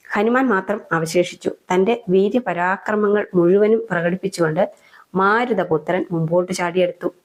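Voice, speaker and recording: A woman with a fairly low voice retells an old devotional epic. She speaks in unhurried, reflective short phrases and drops in soft fillers as she goes. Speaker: storyteller.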